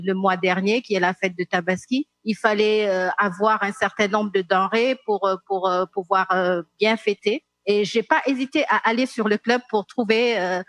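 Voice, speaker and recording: A woman with a Senegalese accent giving measured, explanatory remarks as a panelist in a discussion. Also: mid-range voice.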